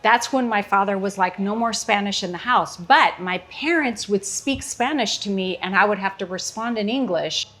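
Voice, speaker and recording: A woman's voice: mid-range voice, normal speed, few pauses, fairly bright tone. A middle-aged woman from Chicago with a Chicago accent, hosting a casual, joking chat as a comedian. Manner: joking, playful banter. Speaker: comedian host.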